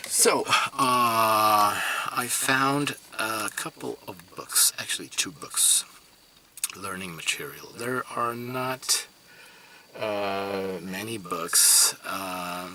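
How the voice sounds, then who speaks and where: Slow, hesitant Swedish-native man. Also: lowish voice, pushed and bright, a little hiss or hum, poor audio. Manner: hesitant, many fillers and restarts. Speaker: language learner vlogger. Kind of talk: casual talk to camera.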